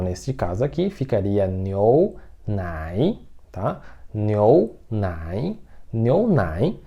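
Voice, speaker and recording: A man's voice: lowish voice, dark tone. A man teaching an online language lesson, patiently repeating each word and often checking that the listener is following.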